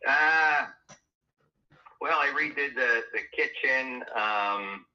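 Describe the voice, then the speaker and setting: A man's voice: medium pitch, slow, sharp tone. Hesitant man on a tinny phone line. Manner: hesitant, many fillers and restarts. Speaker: home seller on a call. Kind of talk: phone conversation.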